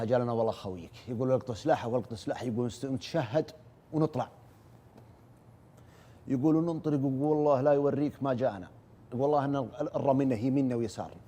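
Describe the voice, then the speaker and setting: A man retelling a war story as an oral storyteller, brisk and earnest, repeating "he says" as he goes. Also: mid-range voice, dark tone, breathy edge.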